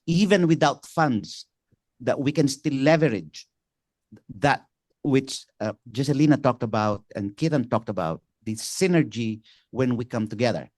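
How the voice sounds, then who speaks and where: A man from the Philippines with a Filipino accent, whose first language is Ilocano, moderating a conference panel and talking haltingly with many fillers and restarts. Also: mid-range voice, lively intonation, a little mellow, dry recording, clean studio sound.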